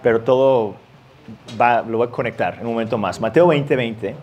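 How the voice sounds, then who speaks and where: Un hombre que predica un sermón en tono conversacional, leyendo pasajes bíblicos y riendo un poco de vez en cuando. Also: male voice, mid-range voice, moderate pace, darkish tone, lo-fi sound. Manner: conversational, reads scripture aloud with light laughs. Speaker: pastor. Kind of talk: sermon.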